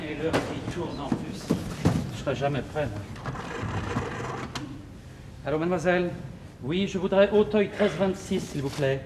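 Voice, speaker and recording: An actor playing a flustered, excitable man fussing over a date, stammering and muttering to himself on a theatre stage in a televised boulevard comedy. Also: on the high side, measured pace, pauses often, close to an everyday voice. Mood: fretful. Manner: stammering, fussy, talks to himself. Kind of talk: 1980s French boulevard stage comedy acting. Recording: hissy old television broadcast recording.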